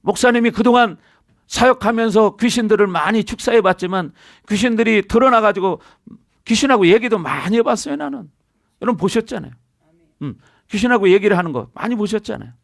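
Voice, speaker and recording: A high-pitched man preaches a sermon, repeatedly prompting his congregation for answers and amens. His voice is captured close and dry, with almost no room sound around it. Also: lively intonation, a little fast, gravelly, no room sound. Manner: preaching with call-and-response to the congregation. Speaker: senior pastor. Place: church sanctuary.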